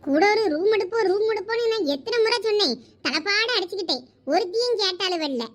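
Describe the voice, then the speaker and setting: A woman's voice: very high-pitched, steady tone, fast talker, a bit bright. Woman putting on a fuming village auntie. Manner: scolding, complaining rant. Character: angry middle-aged village woman. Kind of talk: comedy skit acting.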